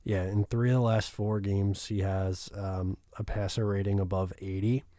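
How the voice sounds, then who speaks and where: A man's voice: lowish voice, level tone, moderate pace, dark tone, dry recording, studio quality. A young man hosting a casual sports podcast, talking loosely with fillers. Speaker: podcast host.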